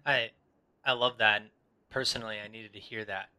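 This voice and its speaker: Host: man, low pitch, very bright tense tone, affirming and filler-heavy. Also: steady tone, a little fast. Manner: affirming, many fillers, trails off quietly. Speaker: podcast host. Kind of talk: conversational interview.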